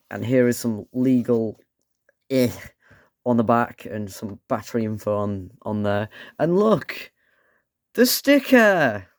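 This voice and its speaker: A man reviewing a toy with a croaky voice from a cold, rambling and dropping sarcastic asides. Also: lowish voice, a little mellow, no room sound, studio quality. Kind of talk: casual product review.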